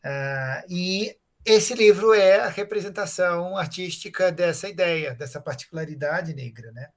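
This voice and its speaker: A man's voice: high-pitched, measured pace. A man with a Brazilian Portuguese accent, a professor giving a conference lecture in an explanatory way, with many fillers and tag questions. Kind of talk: academic lecture, unscripted.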